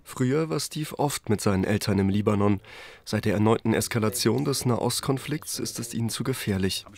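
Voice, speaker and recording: A man reading a calm, scripted news report narration. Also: fairly low pitch, fairly quick, creaky. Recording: voice-over over music.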